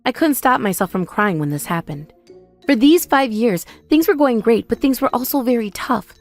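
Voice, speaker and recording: A woman's voice: on the high side, expressive, normal speed. A woman giving dramatic first-person scripted narration as a story's narrator. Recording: voice over background music.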